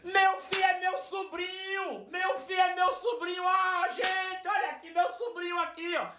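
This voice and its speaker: A man voicing an excited old woman of nearly a hundred who exclaims and repeats herself. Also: extremely high pitch, unhurried, reverberant, background noise, pitched above the performer's own voice. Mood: overjoyed.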